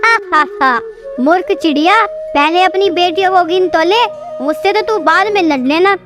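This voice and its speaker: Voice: very high voice, normal speed. A voice actor playing a greedy, mocking male merchant bird in a storybook cartoon, with a harsh laugh. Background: music.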